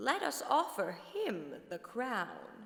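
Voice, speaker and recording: The speaker uses a put-on character voice that sounds shaky. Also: female-sounding voice. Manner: wise, dignified.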